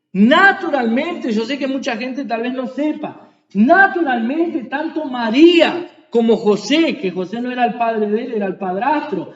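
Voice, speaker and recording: Male pastor, very high voice, emphatic sermon, dull lo-fi church recording. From Uruguay. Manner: emphatic, rhetorical questions, repeats "verdad"; cries out quoted pleas loudly. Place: church sanctuary. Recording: echoey church, dull lo-fi sound.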